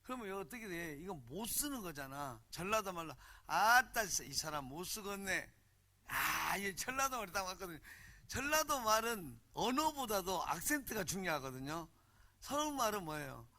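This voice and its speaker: A man's voice: high-pitched, normal speed. A man preaching a sermon at a church retreat in a blunt, humorous, colloquial way, often calling out for the congregation to answer "amen.". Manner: animated, calls for "amen" and "hallelujah" responses; colloquial, blunt and humorous, mimics regional speech. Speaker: pastor.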